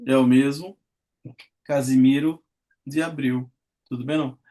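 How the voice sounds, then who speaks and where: A man's voice: mid-range voice, fairly even intonation, a little slow, mellow. A man giving a talk on poetry, reading poems aloud, counting syllables and asking his audience questions. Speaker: lecturer. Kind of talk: lecture on poetry.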